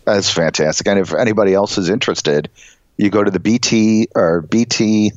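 A middle-aged man with a head cold, nasal and stuffed up, co-hosting a podcast with dry, deadpan jokes. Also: fairly low pitch, moderate pace, no room sound, highs cut off. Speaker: podcast co-host. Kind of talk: casual chat.

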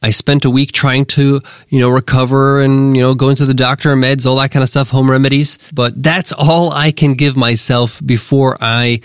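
A man's voice: mid-range voice, level tone, normal speed, few pauses, clean tone, no room sound, clean studio sound. A man hosting a business podcast lesson, sounding nasal and congested from a cold, talking in an upbeat, motivational way straight to his listeners. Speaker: podcast host.

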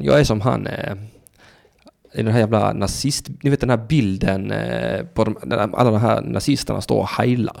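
A man's voice: medium pitch, vocal fry, dark tone. A man hosting a call-in show on his own, rambling, sarcastic and profane as he talks straight to his listeners and the chat. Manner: addresses listeners and chat directly. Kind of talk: casual solo call-in radio monologue.

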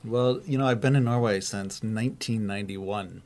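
A man's voice: fairly low pitch, normal speed, darkish tone, a little hiss or hum. An American man, a university rector, answering questions as a podcast guest in a thoughtful, self-deprecating way. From United States. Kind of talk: relaxed conversational interview.

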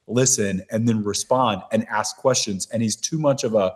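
A man's voice: lowish voice, moderate pace. A man who is a guest on a podcast, talking bluntly and animatedly in casual chat and sometimes mimicking other people.

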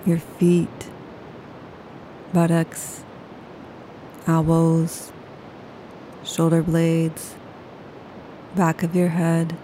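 Female meditation guide, low flat calm delivery, warm dark tone. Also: slight background noise, rough recording. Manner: slow, soothing, unhurried. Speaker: yoga nidra guide.

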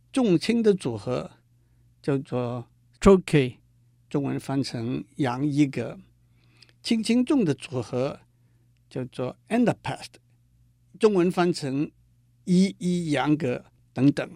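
Guy explaining poetry slowly, kinda high voice, bone dry recording. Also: vocal fry, darkish tone, no room sound. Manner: slow and deliberate, reading verse aloud. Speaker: lecturer.

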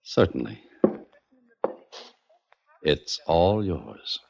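Deep, dry-witted 1940s detective narrating, lo-fi radio sound. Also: male voice, sing-song, drawn-out words, gravelly, darkish tone, husky, full character voice. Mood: wry. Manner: dry, wry, hard-boiled narration. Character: wisecracking male detective narrator. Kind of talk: 1940s radio drama acting. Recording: dull lo-fi old radio with faint music.

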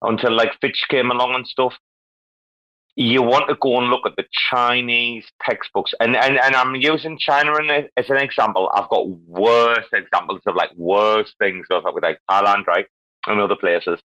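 A man hosts a loose group chat with a bright, sharp tone that cuts through. He rambles excitedly from point to point. The line sounds dull and lo-fi. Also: medium pitch, moderate pace. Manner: rambling, excitable, swears casually. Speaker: host of a live audio chat room. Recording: muffled lo-fi line.

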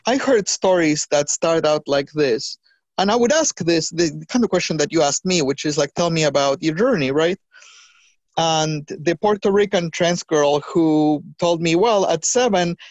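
A trans woman talking as a podcast guest, animated, with quick restarts and acted-out quotes. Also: low voice, dry recording, muffled recording. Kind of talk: conversational interview.

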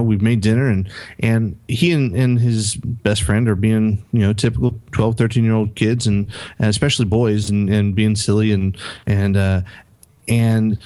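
A man's voice: fairly low pitch, warm tone. A middle-aged man on a podcast, casually telling a story with many restarts and acted-out quotes. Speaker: podcast co-host.

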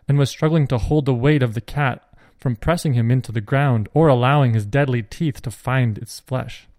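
A man reading a Christian children's adventure story aloud in a steady, clear narration. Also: mid-range voice, dry recording, studio quality.

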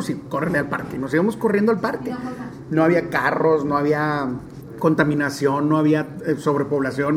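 A man in his forties from Monterrey with a northern Mexican accent, telling stories in an interview in a chatty, animated way with many fillers. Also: a little high. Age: 40s. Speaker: stadium DJ and announcer. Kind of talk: relaxed storytelling interview.

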